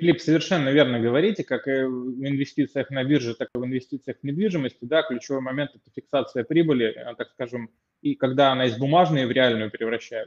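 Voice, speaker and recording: Over a quiet background, a man speaks at a very fast pace with ordinary pitch variation and big swings in loudness. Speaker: real estate sales director. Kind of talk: webinar sales presentation. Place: office. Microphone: connection and sound glitches; video call.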